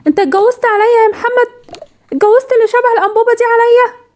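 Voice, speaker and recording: A woman's voice: extremely high pitch, fairly even intonation, racing, a little mellow. A woman with an Egyptian Arabic accent voicing a fierce, betrayed wife and mother in a doll cartoon, scolding her husband with indignant accusations. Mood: accusing. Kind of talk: storytelling doll cartoon voiceover.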